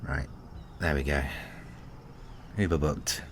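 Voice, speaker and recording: A man playing a kindly, awkward, flirtatious tiny friend in an intimate ASMR roleplay, speaking gently and hesitantly with caring, teasing warmth. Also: extremely low pitch, fairly even intonation, slow, a little hiss or hum. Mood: encouraging, shy. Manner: gentle, hesitant, bashfully rambling.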